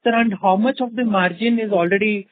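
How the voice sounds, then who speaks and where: Male analyst caller, Indian accent, high pitch, deferential unscripted questioning, boxed-in phone sound. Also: brisk, no echo. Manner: deferential, hesitant. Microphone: telephone. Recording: dry tinny phone line.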